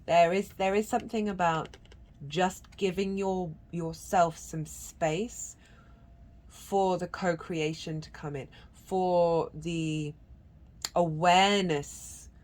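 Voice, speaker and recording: Woman, tarot reader, congested, somewhat low voice, earnest, rambling, frequent restarts. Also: steady tone, slow, a little mellow. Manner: meandering, earnest, many restarts; breaks into chanted channelled syllables. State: congested from a cold. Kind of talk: channelled tarot reading.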